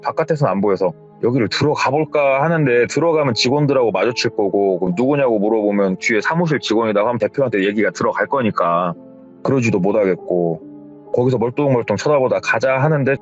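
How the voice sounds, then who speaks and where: A man's voice: medium pitch, fast talker. A man hosting a horror story channel, retelling a listener's account in a conversational storytelling manner. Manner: retelling with hearsay, lively delivery. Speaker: horror story radio host. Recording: slightly dull with faint music.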